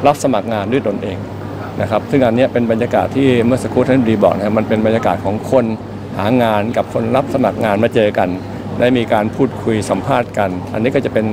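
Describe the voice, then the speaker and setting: Formal man, low voice, noisy hall. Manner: polite, steady, with frequent hesitation fillers. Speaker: government official at a press briefing. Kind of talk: formal press statement. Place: indoor event hall. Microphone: press microphones held up close.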